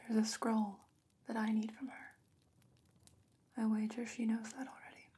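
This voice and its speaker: A woman as a breathy, whispering fantasy potion maker. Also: fairly high pitch, completely flat delivery, moderate pace, dark tone. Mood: conspiratorial, reluctant. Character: calm, knowing fantasy woman, secretive potion maker, wary. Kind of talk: soft-spoken ASMR fantasy roleplay.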